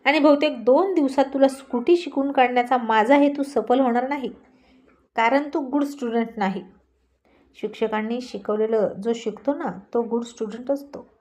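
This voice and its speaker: A woman voicing a gruff, bossy young husband. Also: fairly high pitch, normal speed, darkish tone, lightly acted. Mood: stern. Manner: blunt, bossy, mocking.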